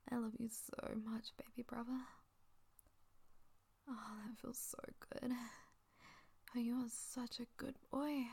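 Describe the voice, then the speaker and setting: Woman as a tender older sister: slightly high, slow, gravelly whisper, reassuring. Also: exaggerated voice. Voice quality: soft, often whispered. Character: doting older sister, young adult woman. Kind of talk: intimate audio roleplay.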